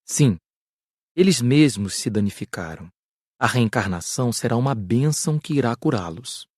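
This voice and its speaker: A man playing a grave spirit instructor in an audiobook, husky and solemn as he explains in measured phrases. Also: mid-range voice, animated, dry recording, clean studio sound.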